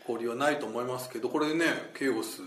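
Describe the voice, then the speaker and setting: A man's voice: mid-range voice, fast, a crowd in the background. A man hosting a casual interview, chatty and encouraging, leaning on many fillers as he keeps the talk going. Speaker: interviewer host. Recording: echoey room.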